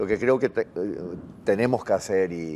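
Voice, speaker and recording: A man in a plain, everyday voice, fairly low in pitch, with ordinary pitch variation. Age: 60s. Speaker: political candidate. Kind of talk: TV interview.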